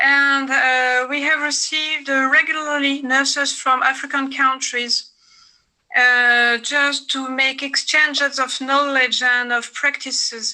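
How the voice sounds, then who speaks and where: A woman with a French accent projects her voice at a high pitch. Her tone is bright and sharp, her intonation monotone and flat. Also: fairly slow pace. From France. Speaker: professor of haematology. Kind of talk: panel discussion Q&A.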